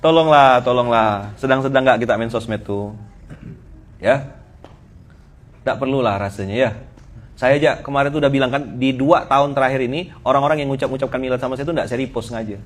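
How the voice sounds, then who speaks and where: A middle-aged man preaching a humorous sermon with a Pontianak Malay accent, teasing his listeners in a lively storytelling manner. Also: medium pitch, fairly quick, pauses often. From Pontianak, Indonesia.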